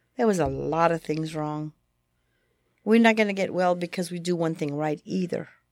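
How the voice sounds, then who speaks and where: In a Cajun accent, a woman speaks with a fairly low pitch and ordinary pitch variation. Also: moderate pace, very clean recording, silent background. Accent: Cajun Louisiana English. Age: 60s. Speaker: podcast host. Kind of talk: casual interview conversation.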